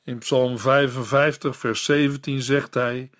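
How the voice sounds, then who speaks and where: A man reading a scripted Bible commentary in a calm, measured way, as a Bible teacher. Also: mid-range voice.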